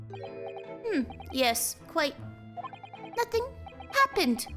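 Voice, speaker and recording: Very slowly, a female-sounding voice performs a put-on character voice while clear music plays in the background. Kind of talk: formal, old-fashioned.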